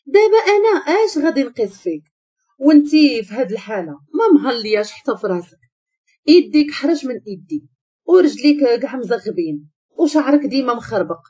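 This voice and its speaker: Brief: blunt insulting Moroccan boss guy, put on by a woman storyteller, lowered husky voice. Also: big pitch swings, brisk, a little mellow, heavily acted. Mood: curt, scornful. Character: harsh rude young male boss.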